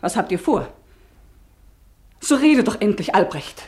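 A woman's voice: mid-range voice, very animated, unhurried, darkish tone. A woman playing a distressed, devoted wife and mother in a German radio drama, urgent and imploring. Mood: anxious questioning.

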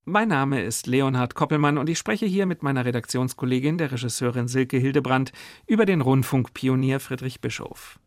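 A man presenting a radio programme in a measured, scripted style, recorded in a studio. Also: medium pitch, no room sound. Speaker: radio host and editor. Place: dry studio.

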